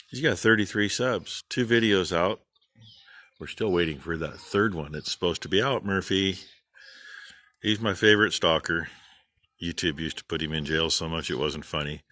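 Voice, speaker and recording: Folksy middle-aged farmer man, deep voice, dry close sound, casual rambling chat. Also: measured pace, pauses often, fairly bright tone, no room sound. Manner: folksy, rambling, plain-spoken. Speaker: farm channel vlogger. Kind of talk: casual rambling shout-outs.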